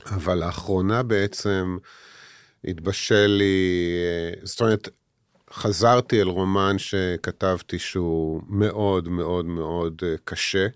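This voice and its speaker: Man in his fifties, very low voice, smooth clear tone, halting speech, dry close sound. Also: fairly even intonation, dry recording. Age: 50s. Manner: halting, many hesitations and restarts; earnest, heavy. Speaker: guest, author and army veteran. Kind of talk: personal interview talk.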